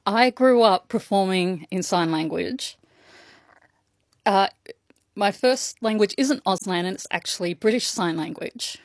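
A woman interpreting a deaf guest's answers aloud, speaking in a measured, thoughtful way. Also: mid-range voice, no room sound, studio quality. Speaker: sign language interpreter.

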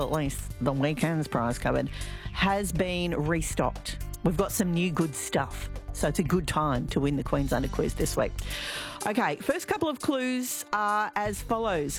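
A woman with an Australian accent presenting a live weekend radio show from a studio, chatty and bubbly. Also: on the low side.

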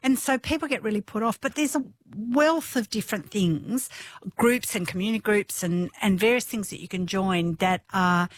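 A woman in her fifties with a low alto voice, a physiotherapist talking enthusiastically on radio. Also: normal speed, dry recording. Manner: enthusiastic, warm, laughs often. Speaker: physiotherapist guest. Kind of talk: casual radio interview.

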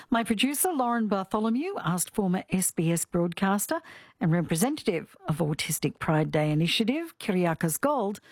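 Brief: female radio host, studio mic, animated pitch, dry close sound. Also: dry recording. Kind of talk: scripted radio introduction. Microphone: studio microphone.

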